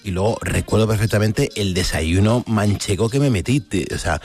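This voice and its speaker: A man's voice: lowish voice, moderate pace, gravelly, darkish tone, breathy edge. A man from Spain hosting a radio show, upbeat and enthusiastic in his banter. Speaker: radio host and DJ.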